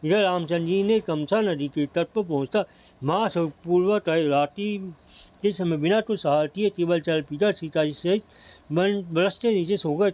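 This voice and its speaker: A man reading a Hindu devotional epic aloud as a steady recitation, often stumbling and restarting words. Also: high voice. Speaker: scripture reader. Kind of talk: devotional scripture narration.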